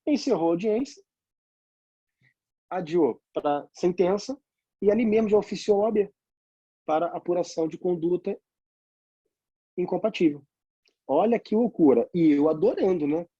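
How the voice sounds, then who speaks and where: A Brazilian man lectures on law, spinning a story from his practice and tossing out rhetorical questions. His voice sits a little high yet sounds very dark and husky. The recording is dry and somewhat muffled. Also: moderate pace, long pauses, no echo. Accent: Brazilian Portuguese.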